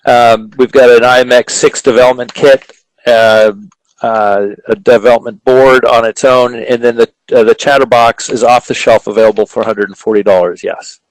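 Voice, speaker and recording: A man giving technical product answers in a measured, explanatory way, pausing to think as he goes. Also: mid-range voice, fairly even intonation, no room sound, low-quality recording. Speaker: company presenter answering questions.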